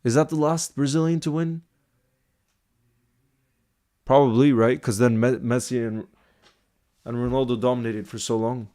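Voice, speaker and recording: A man's voice: medium pitch, fairly even intonation, moderate pace, long pauses, dark tone. Chatty man hosting a football live stream. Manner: chatty, thinks aloud with restarts and filler asides. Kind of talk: casual live-stream chat reading viewer comments.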